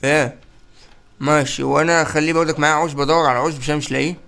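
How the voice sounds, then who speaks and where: A rapid, excitable man with an Egyptian Arabic accent narrating his game as a channel host. He hurries his words and keeps calling out to his viewers. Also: on the high side, vocal fry. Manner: excitable, urgent, calls out to viewers. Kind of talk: let's-play commentary.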